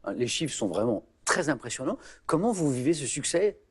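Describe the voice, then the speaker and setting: A man hosting a televised quiz show, lively and prompting his guests with follow-up questions. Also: mid-range voice, brisk, husky. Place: TV studio with audience.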